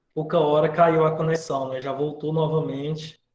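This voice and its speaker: Fairly slow speech from a man with a fairly high pitch and fairly even intonation. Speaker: teacher. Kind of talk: online lecture. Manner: soft-spoken.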